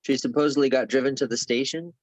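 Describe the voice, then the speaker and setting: A man playing a guarded, noncommittal young boyfriend in a table read, low-key and terse. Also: fairly even intonation, fast, close to an everyday voice. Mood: guarded, irritable. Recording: dull, muffled remote-call audio.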